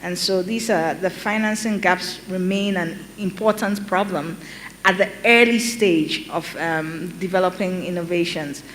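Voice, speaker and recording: Ghanaian woman on a panel, lowish voice, ums a lot, faint room hum behind. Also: a bit bright, rough recording. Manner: measured, explanatory, with frequent ums and restarts. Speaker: panel speaker. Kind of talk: conference panel talk.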